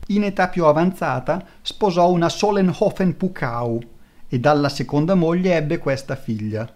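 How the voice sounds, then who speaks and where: A man's voice: fairly high pitch, moderate pace, a little mellow, voice pushed up, natural voice. A man reading aloud, voicing a haughty, imperious aristocratic grand duchess in a raised voice. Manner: imperious, skeptical.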